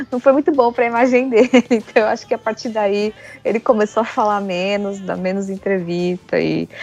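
In a dry, close recording with no echo, a woman with a plain, everyday voice speaks at a moderate pace, her fairly high pitch showing ordinary variation. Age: 30s. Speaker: podcast co-host. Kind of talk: casual chat.

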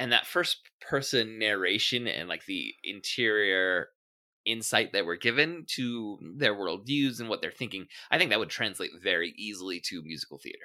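A fairly low-pitched man with a bright, sharp tone speaks at a moderate pace on a very clean recording with a silent background. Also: lively intonation. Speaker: podcast host. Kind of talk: casual discussion.

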